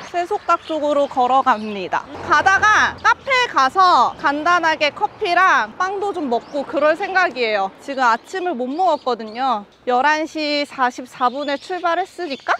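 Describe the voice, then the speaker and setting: A woman uses a raised, projected voice with very wide pitch swings at a fairly slow pace. The sound is dry with no echo, over light background noise. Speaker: travel vlogger. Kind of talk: casual vlog chat. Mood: cheerful, upbeat. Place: street. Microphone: phone near.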